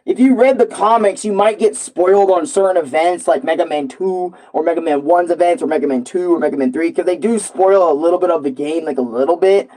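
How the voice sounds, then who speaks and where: A man rambling casually and excitably on a live stream, full of slang and repeating himself. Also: fairly high pitch, brisk, few pauses, poor audio. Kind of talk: casual, rambling live stream chat about comics and games.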